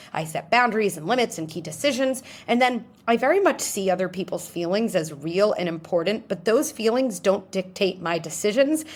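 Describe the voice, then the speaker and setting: A woman being interviewed, explaining ideas in an animated way and acting out little scenarios in different voices. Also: fairly low pitch. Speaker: guest psychologist. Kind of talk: interview answers.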